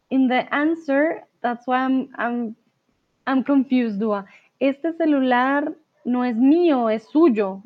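A woman teaching Spanish on a live stream, patiently reading out viewers' chat answers and correcting them, sometimes explaining in English or German. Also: fairly high pitch. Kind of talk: live online language lesson. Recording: tinny narrow-band stream audio.

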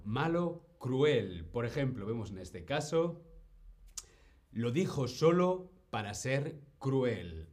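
A man teaching Spanish on a live stream, speaking slowly and deliberately, repeating words and often checking in with the viewers. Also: medium pitch, a little mellow. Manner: answers viewer questions from chat. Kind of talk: live-streamed language lesson.

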